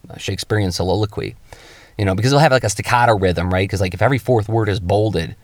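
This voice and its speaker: A man's voice: lowish voice, fast talker, no echo. A man giving an informal spoken tutorial as a show host, thinking aloud conversationally and shifting his voice emphatically to stress points. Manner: conversational, thinking aloud with frequent self-interjections. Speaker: comics artist hosting a lettering show.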